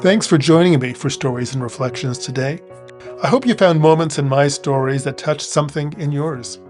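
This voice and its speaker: A man hosting a reflective spiritual podcast, talking slowly and deliberately, phrase by phrase, and reading inspirational passages in a gentle voice. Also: fairly high pitch, over music. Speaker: podcast host.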